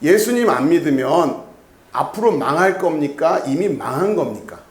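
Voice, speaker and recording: Very animated and on the high side, this male pastor speaks at a moderate pace with a darkish tone that reverberates around the sanctuary. His conversational expository preaching is peppered with questions for the congregation and repetition of key words.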